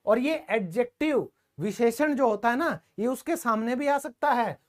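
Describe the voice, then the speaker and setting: A man's voice: very high-pitched, lively intonation, unhurried. Man, English teacher, live online class, colloquial, jokey, talks straight to students.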